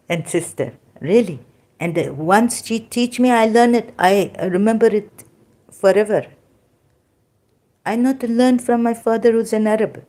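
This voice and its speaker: A woman with a Pakistani accent and Sindhi as her first language, giving an informal religious talk in halting, broken English with many restarts, tired and soft-spoken as she goes on. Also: fairly high pitch. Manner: tired, winded and soft-spoken in later part. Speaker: religious commentator.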